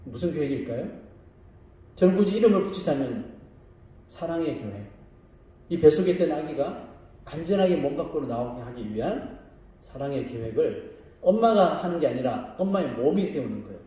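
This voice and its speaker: A man preaching a sermon. His delivery swings between soft, low asides and raised, emphatic lines, and he often puts questions to the congregation. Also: lively intonation, normal speed, long pauses. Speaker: pastor. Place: church sanctuary. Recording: very echoey room, voice from a distance.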